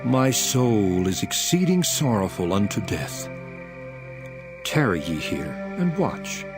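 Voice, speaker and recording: Male actor as grave authoritative holy teacher, Bible drama, expressive lowish voice, music underneath. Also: slow. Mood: sorrowful. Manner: solemn, declamatory, archaic scripture phrasing. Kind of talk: dramatized Bible audio acting. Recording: music behind the voice. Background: background music.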